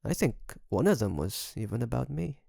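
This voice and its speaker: A man playing an obsessive, doting kidnapper best friend in an intimate audio roleplay, creaky, coaxing and teasing with soft menace. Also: mid-range voice, very animated, no room sound, clean studio sound, heavily acted. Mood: smug, teasing. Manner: softly menacing, coaxing, teasing, with drawn-out phrases.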